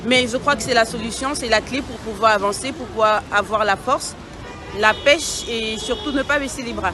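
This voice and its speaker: A woman's voice: fairly high pitch, normal speed, over music. A woman vlogger from the Gers talking casually and encouragingly to her viewers outside a cinema. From Gers, France. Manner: upbeat, encouraging, chatty. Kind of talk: casual vlog address to viewers. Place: outside a cinema at a premiere, crowd around. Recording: crowd noise behind. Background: crowd.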